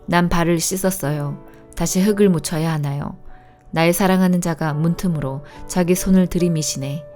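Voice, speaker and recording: A woman reading the Bible aloud in a steady, calm, measured way. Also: fairly low pitch. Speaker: Bible reader. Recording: soft instrumental music behind.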